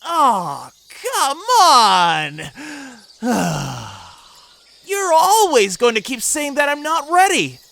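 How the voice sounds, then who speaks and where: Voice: high-pitched, huge pitch swings, drawn-out words, vocal fry, a bit bright, full character voice. A performer voicing a young male ape heir in an audio drama, eager, whiny and petulant, pleading to be taken seriously. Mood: petulant, frustrated.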